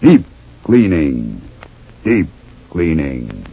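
Heard through a tinny, lo-fi old radio broadcast, a man with a very low, booming voice draws out each word slowly and deliberately. His delivery is husky and rises and falls widely as he chants the slogan. It sounds like an announcer on a 1940s radio program. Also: sing-song. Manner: slow, drawn-out deep chanting of a slogan.

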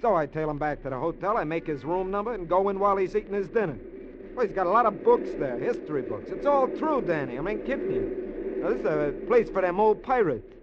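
A pushy small-time crook. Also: male voice, high voice, expressive, brisk, noisy background. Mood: scheming. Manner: chatty street slang, pushy. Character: small-time male burglar, eager fast-talking schemer. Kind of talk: 1950s radio drama acting. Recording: dull old radio recording.

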